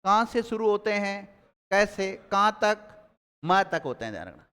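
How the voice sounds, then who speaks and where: A man's voice: sits high, sing-song, normal speed, pushed and bright, clear, resonant tone, big-room sound. A man teaching a live grammar class, drilling students with repeated questions and calling on them by name.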